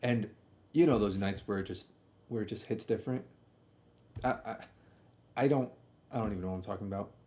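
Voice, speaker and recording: A man's voice: fairly low pitch, a little fast, pauses often, dark tone. A young man telling a casual, slangy stream story, often doubling back and repeating himself as he comments on old videos.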